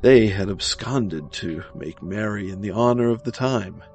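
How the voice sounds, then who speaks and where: Slow, deep, gravelly male narrator. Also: darkish tone, muffled recording. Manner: dramatic, measured. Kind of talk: scripted gothic horror narration. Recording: music behind the voice.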